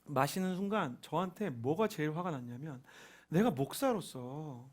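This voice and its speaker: A man's voice: on the high side, normal speed. A young adult man preaching a sermon as a pastor, telling a story and acting out the voices in it. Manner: animated, acts out quoted voices.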